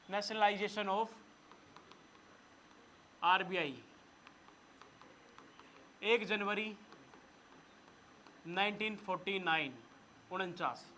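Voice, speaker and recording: A man with a Hindi accent teaching a room of students, his voice high and bright as he quizzes them on facts. He keeps firing questions and telling the class what to note down. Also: slow pace, long pauses, slight background noise. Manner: quizzes students and has them take notes. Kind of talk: classroom lecture.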